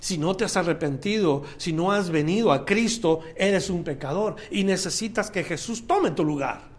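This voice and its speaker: Man, pastor, high voice, sermon, emphatic bursts, quiet drops. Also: expressive, moderate pace.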